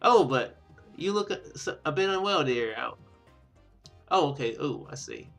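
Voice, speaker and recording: A man hosts a gaming video in a bright, forward voice pitched a little high. He comments casually and throws in animated, joking asides, with game music faintly behind him. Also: normal speed, vocal fry. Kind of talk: casual game commentary, reading dialogue aloud.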